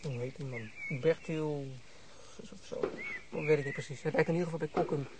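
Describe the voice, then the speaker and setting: An actor playing a casual gun enthusiast in a radio drama, talking in an offhand way. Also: male voice, on the high side, brisk, background noise, lightly acted. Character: casual male gun enthusiast at target practice. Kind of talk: Dutch radio drama dialogue.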